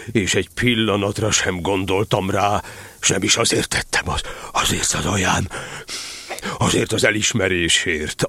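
A man's voice: low-pitched, sharp tone, breathy edge, no room sound, full character voice. A man voicing a gloomy, self-important donkey in a children's audio drama, mournful and ponderous in manner.

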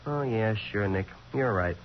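An actor playing an eager, slangy newspaper reporter sidekick in a 1940s radio drama, with an American accent. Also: male voice, fairly low pitch, lively intonation, unhurried. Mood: eager, sheepish. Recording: muffled, noisy 1940s radio recording.

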